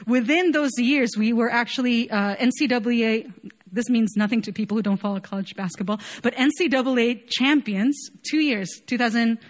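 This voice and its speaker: A young woman raised in Chile preaches in an earnest, conversational way, full of casual fillers. Her voice sits a little on the high side. She talks warmly but plainly, more like a chat than a pulpit speech. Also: normal speed. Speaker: worship leader preaching. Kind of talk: sermon.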